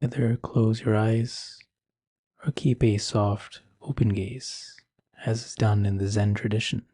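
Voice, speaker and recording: Slow, soft-edged low male meditation guide. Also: little pitch movement, no echo, studio quality. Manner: soothing, measured, gentle instruction.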